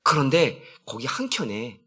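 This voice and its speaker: Guy pastor giving a sermon, chatty, tosses questions at the crowd, pitch swoops around a lot. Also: big pitch swings, a little slow, fairly bright tone, husky. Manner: conversational, asks the congregation questions, acts out quotes. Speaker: senior pastor.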